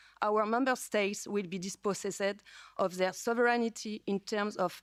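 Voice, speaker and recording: Heard in a very clean recording with a silent background and a dry, close sound with no echo, a woman with a French accent speaks at a moderate pace and medium pitch. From France. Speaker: politician. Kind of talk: prepared speech.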